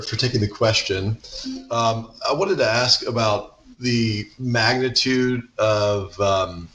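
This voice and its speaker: Male analyst with a crisp, bright, fairly low voice, feeling his way through earnings-call questions. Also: low-quality recording. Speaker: financial analyst.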